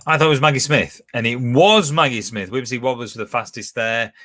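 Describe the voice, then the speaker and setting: A man's voice: medium pitch, fairly quick, a bit bright. A man hosting a pub quiz from home, chatting casually as he reads out questions, answer options and team scores. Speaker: quiz host.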